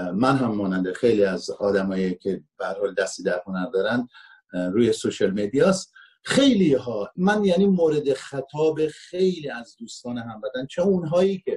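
A somewhat breathy, fairly high-pitched man's voice with very wide pitch swings. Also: moderate pace. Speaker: singer. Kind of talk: interview.

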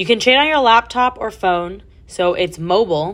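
A woman's animated voice, fairly high in pitch, with very wide pitch swings, on a very clean recording with a silent background. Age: 20s. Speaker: podcast host. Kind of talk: solo podcast monologue.

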